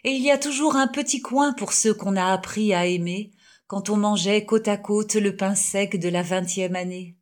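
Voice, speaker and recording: A woman's voice: mid-range voice, normal speed, lightly acted. A woman reading a hearty middle-aged male doctor. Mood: tender. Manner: cordial, effusive. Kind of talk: audiobook character reading.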